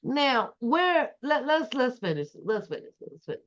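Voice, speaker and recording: A woman's voice: high voice, big pitch swings, measured pace. An American woman hosting a casual livestream, commenting on video clips indignantly and repeating phrases for emphasis. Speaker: livestream host. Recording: dull, lo-fi livestream audio.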